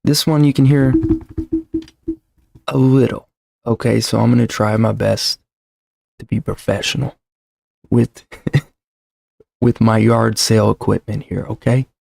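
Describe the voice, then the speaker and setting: This livestream host, a man in his thirties, talks at home into a shock-mounted desk mic in a casual, self-deprecating ramble packed with fillers and restarts. His lowish, darkish voice carries vocal fry and a steady tone. He speaks unhurriedly and pauses often.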